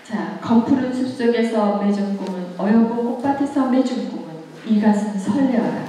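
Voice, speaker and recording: A woman in her sixties giving an earnest, emotive public lecture with expressive recitation and conversational asides to her listeners. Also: mid-range voice, moderate pace. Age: 60s. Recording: echoey hall, distant mic, background noise.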